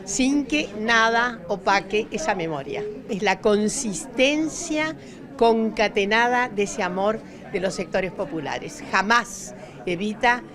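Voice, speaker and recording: A woman's voice: mid-range voice, animated, takes it slowly. A woman answering an interview in an oratorical manner with ornate phrasing. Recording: busy crowd behind.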